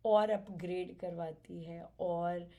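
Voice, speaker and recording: Soft-spoken woman with a gravelly, dark voice. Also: on the low side, steady tone, highs cut off. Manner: soft-spoken, reflective, halting with fillers and light laughs. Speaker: satsang participant sharing experience. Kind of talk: spiritual sharing in a family gathering.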